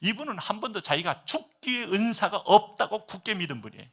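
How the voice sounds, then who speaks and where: A male pastor preaching a sermon at a church service, emphatic, with rhetorical questions and sudden shifts between loud and soft. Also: high-pitched, sing-song, fairly quick, lo-fi sound.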